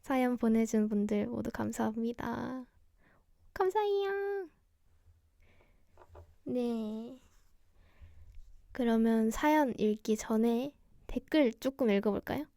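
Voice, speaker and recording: Young female idol DJ for a cozy late radio chat: quiet-spoken, gentle, warm mellow tone, dry recording. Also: a little high, lively intonation, slow pace, gravelly, long pauses, dry recording. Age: young adult. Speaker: radio DJ host, idol singer livestreaming. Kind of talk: cozy radio-show style livestream chat.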